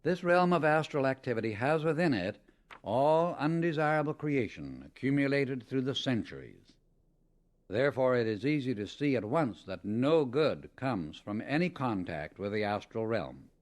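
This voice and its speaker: A man's voice: mid-range voice, very animated, moderate pace. Man solemnly reading a spiritual audiobook. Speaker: audiobook reader. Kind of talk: scripted spiritual teaching read aloud.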